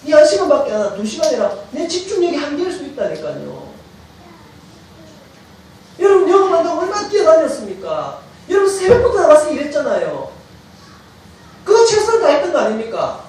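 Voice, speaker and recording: A man's voice: extremely high pitch, a little fast, pauses often, a little hiss or hum. Male pastor preaching, voice swings up and down a lot, sounds far from the mic in a big echoey church. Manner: animated preaching, quizzes the congregation, rises to shouts. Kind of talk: sermon. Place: church sanctuary.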